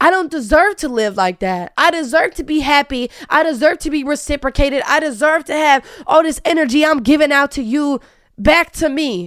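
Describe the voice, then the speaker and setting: A woman with an American accent speaks at a moderate pace in a high, animated voice with lively intonation, on a very clean recording with a silent background. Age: 20s. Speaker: YouTuber. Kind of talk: casual monologue vlog.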